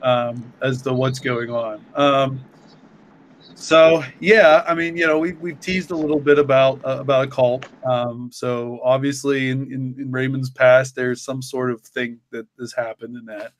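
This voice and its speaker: Man, average pitch, podcast co-host, casual discussion, hesitant explanatory delivery. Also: fairly even intonation, measured pace, a little hiss or hum. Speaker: podcast co-host and story creator.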